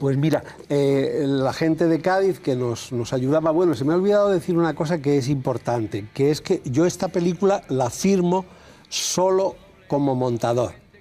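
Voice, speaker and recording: Over noticeable background noise, a man speaks at a moderate pace with a fairly high pitch. His pitch varies in an ordinary way while his loudness stays very even. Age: 60s. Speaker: film director. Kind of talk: TV interview.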